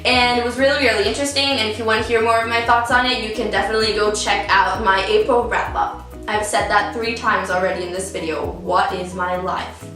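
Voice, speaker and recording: A teenage book vlogger with an Italian accent chats bubbly and directly to her viewers about books she bought in a casual book haul. Her medium-pitched voice is fairly even in intonation, a little fast and a bit bright. The room is echoey, the mic distant, with faint music.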